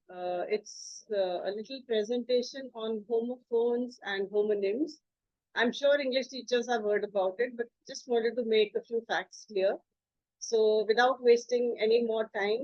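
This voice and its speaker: A woman's voice: a little high, darkish tone, no echo. Woman teaching a slide lesson, dull mic. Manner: explanatory, spells out words, frequent filler uh. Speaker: English teacher.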